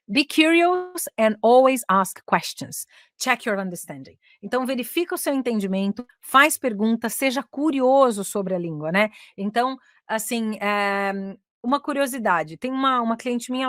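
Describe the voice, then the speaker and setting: Lively Brazilian woman teaching, dry sound. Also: fairly high pitch, no room sound. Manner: switches often between Portuguese and English, lively and chatty. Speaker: English communication coach. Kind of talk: casual teaching talk.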